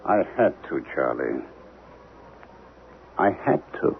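A man's voice: extremely low pitch, sing-song, slow pace, creaky, exaggerated voice. An actor playing a grim, obsessed man convinced that he must save the world, brooding and insistent, in a 1970s radio drama. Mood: shaken. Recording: narrow noisy old radio recording.

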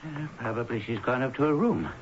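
A man's voice: mid-range voice, fairly quick, close to an everyday voice. An actor playing an uneasy, cautious family man with a hesitant, careful delivery in an old-time radio drama. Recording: dull, noisy old radio broadcast.

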